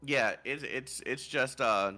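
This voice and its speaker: A man hosting a casual gaming livestream, animated and swearing casually, just woken up. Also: mid-range voice, slow pace, faint music behind. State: just woke up. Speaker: livestream host.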